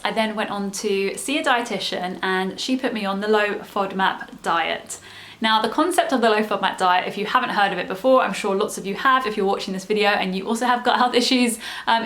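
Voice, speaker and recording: A woman with a croaky, strained voice, chatting to camera in a casual, explanatory way with lots of fillers. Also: medium pitch, a bit bright. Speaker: vlogger.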